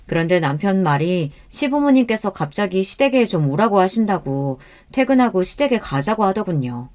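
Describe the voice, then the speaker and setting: A woman reads a first-person life story as scripted narration. Her telling is steady and earnest, in the manner of a radio story reading. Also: lowish voice.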